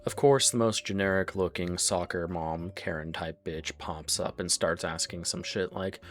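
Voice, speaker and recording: A man's voice: low-pitched, normal speed, a bit bright, faint music behind. A young man with a cold telling a crude, sarcastic story about his old job, swearing often. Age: young adult. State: has a cold. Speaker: storytime narrator. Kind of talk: casual storytelling.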